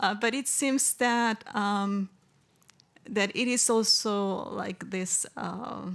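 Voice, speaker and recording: In a Mexican accent, a woman talks at a very slow pace with a fairly high pitch and ordinary pitch variation. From Mexico. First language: Spanish. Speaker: researcher, audience member. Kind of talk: audience question. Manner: halting.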